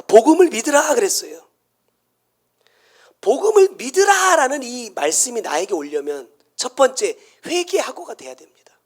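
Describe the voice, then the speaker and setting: Animated high-voiced Jeolla pastor preaching. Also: male voice. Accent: Jeolla Korean. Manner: dramatic swings from hushed whispers to shouts. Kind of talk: sermon.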